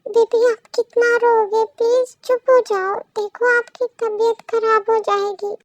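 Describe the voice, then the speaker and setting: A woman voicing a gentle father who soothes his crying daughter. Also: very high voice, little pitch movement, measured pace, dry recording, recorded from a distance, poor audio. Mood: soothing. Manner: soft, coaxing, reassuring. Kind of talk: fan story voice acting.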